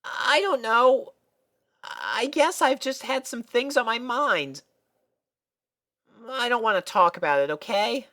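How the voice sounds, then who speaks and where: A young cartoon filly, high and very animated in pitch. The little character is anxious and lovesick, with a plaintive, easily flustered delivery that stumbles into hesitation. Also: female voice, slow, long pauses. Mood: evasive.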